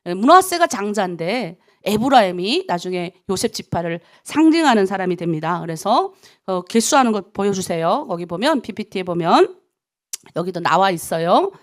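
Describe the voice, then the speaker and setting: A woman's voice: mid-range voice, big pitch swings, normal speed. A middle-aged woman pastor preaching at a dawn prayer service, acting out her own prayers and her husband's words as she goes.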